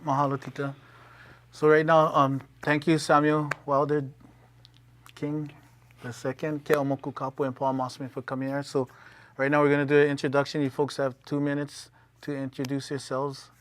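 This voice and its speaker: A man co-moderating a forum, speaking in a flat, brisk, casual way. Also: a little high, slight background noise. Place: TV studio.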